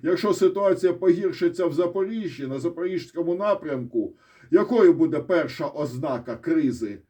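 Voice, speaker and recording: A man's voice: a little high, expressive, moderate pace, warm tone, husky. A man with a Ukrainian accent giving blunt, sarcastic solo commentary on a war, swearing freely and breaking into pointing asides. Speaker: military-political commentator. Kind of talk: casual solo commentary with map.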